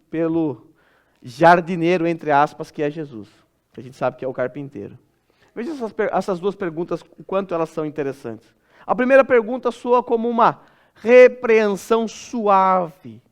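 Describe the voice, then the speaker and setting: Brazilian pastor guy preaching in church, fairly high voice, expressive, goes quiet and soft when he plays the parent. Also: smooth. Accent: Brazilian Portuguese. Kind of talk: expository sermon.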